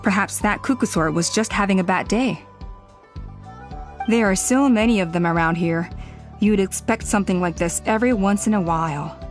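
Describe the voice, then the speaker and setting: An actress playing a calm, authoritative tribal elder in a video game, poised and businesslike. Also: female voice, mid-range voice, normal speed, faint music behind, close to an everyday voice.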